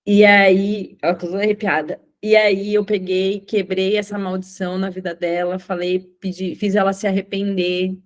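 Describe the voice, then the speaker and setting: A young woman with a Brazilian accent teaching an informal Christian class, telling a testimony as a lively storyteller who acts out quoted dialogue and often checks in with her listeners. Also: mid-range voice, normal speed, hardly any pauses. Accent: Brazilian Portuguese.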